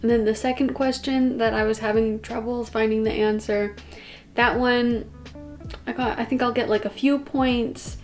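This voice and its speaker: A young woman from Canada chats to her vlog camera with a slightly high voice. She rambles easily, dropping fillers and small laughs. Soft music plays underneath. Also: fairly even intonation, moderate pace. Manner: chatty, filler-heavy, laughs often. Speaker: vlogger. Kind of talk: casual vlog talk to camera.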